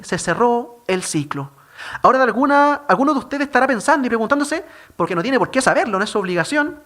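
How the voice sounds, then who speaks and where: Chilean male pastor, high, very lively pitch, emphatic sermon delivery with rhetorical questions.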